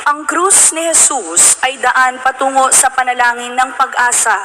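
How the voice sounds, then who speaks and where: A woman's voice: sits high, moderate pace, pushed and bright, a little hiss or hum. A woman with a Filipino accent hosting a religious broadcast, reading solemn scripted narration in a formal, reverent way. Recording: background music under the voice. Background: music.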